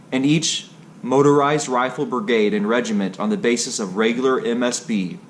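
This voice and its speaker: Man stiffly reading history, faint background noise. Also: medium pitch. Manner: stilted reading, stumbling on hard words. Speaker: narrator. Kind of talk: read-aloud history narration.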